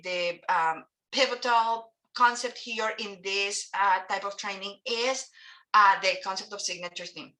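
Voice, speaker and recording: A woman's voice: a little high, sharp tone, poor audio. A woman from Colombia with a Colombian Spanish accent, Spanish her first language, giving a lecture as a family therapist and hesitating with frequent fillers and restarts. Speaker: couple and family therapist presenting a training. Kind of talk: lecture presentation to an audience.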